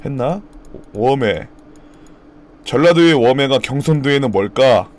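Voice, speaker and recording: A young man streaming live, chatting casually about dialect words and loudly mimicking regional expressions. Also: medium pitch, lively intonation, measured pace. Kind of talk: casual stream chat, reading viewer comments.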